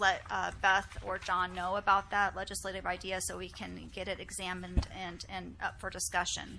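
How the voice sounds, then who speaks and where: Bright and sharp in tone, a woman speaks with vocal fry. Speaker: county association staff member. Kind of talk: report to county board. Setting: county board meeting room. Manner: soft-spoken; hesitant, many fillers.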